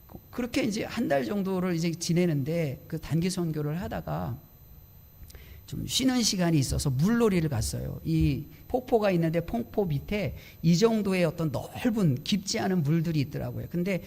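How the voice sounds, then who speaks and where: A man's voice: on the high side, animated, moderate pace, creaky, warm tone. A male pastor preaching a sermon, telling a personal story and acting out his own inner grumbling.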